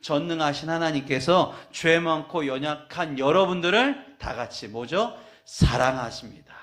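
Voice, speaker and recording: A man preaching a sermon with a lively, swooping delivery and a fairly high voice. He slips into the voices of the people and prayers he quotes, acting them out. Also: moderate pace. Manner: animated, acts out quoted prayers and confessions. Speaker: pastor.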